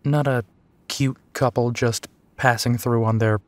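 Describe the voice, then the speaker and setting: A man plays a weary werewolf detective in an audio drama, teasing and intimate. The pace is slow and unhurried, and the sound is close and dry. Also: medium pitch, fairly even intonation, no room sound, close to an everyday voice. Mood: amused teasing. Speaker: audio roleplay actor. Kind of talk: intimate detective roleplay acting.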